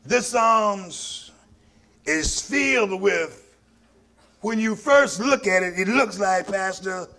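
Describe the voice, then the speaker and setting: A man's voice: high-pitched, expressive, takes it slowly, creaky, sharp tone. A man from Mississippi with a Southern African American accent, preaching a sermon in a folksy, emphatic, repetitive way to his congregation. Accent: Southern African American English. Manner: folksy, emphatic, repeats phrases for effect. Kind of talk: sermon with call and response.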